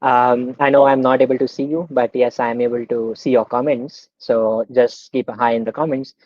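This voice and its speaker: A man's voice: mid-range voice, moderate pace, no room sound. A young man from India, a guest speaker talking casually on a video call with many filler sounds. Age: young adult. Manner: relaxed, many "um"s, explains with everyday examples. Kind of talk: casual online talk. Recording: dull lo-fi video call audio.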